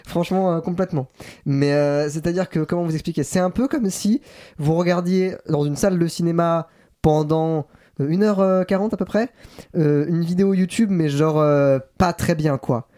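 A man's voice: on the high side, normal speed, warm tone. A man losing his voice, rambling hesitantly through a film review. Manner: rambling, hesitant then laughing. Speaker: film critic. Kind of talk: casual chat.

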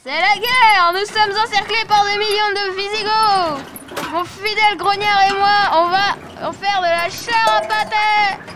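A woman's voice: very high-pitched, fairly even intonation, unhurried, heavy background noise, pitched above the performer's own voice. A woman voicing a grumpy old man who believes he is an emperor, barking orders like a general in a storybook. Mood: martial bluster. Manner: bossy, barking commands. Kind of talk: storybook character voice.

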